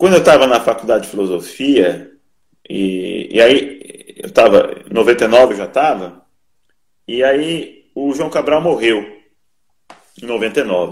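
Lively intonation runs through very slow speech broken by long, frequent pauses. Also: man, medium pitch for a man. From Bragança Paulista, São Paulo state, Brazil. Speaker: poet. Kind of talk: casual interview conversation. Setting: online live stream. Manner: hesitant, many fillers.

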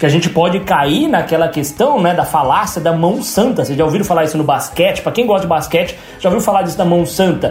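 With noticeable background noise behind him, a man with a high pitch talks very fast, hardly pausing, with ordinary pitch variation. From interior of São Paulo state, Brazil. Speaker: stock market investing educator, finance youtuber. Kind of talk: interview, explaining investing. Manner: casual, explanatory.

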